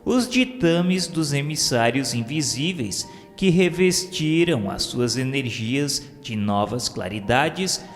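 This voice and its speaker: A man's voice: mid-range voice, animated, takes it slowly, few pauses. Male narrator, religious radio drama: solemn scripted storytelling, declamatory, long reverb, music bed beneath.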